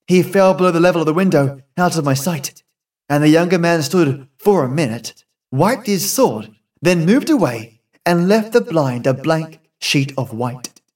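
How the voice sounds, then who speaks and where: A man's voice: a little high, moderate pace, recorded from a distance, lightly acted. Man doing an agitated young husband. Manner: excited, urgent storytelling.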